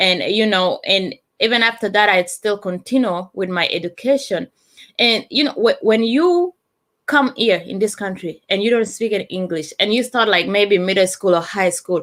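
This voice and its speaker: A woman with a non-native accent speaks at a medium pitch with ordinary pitch variation, in a very clean recording with a silent background. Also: moderate pace. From Uganda. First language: not English. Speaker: community advocate. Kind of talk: interview. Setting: live radio talk show.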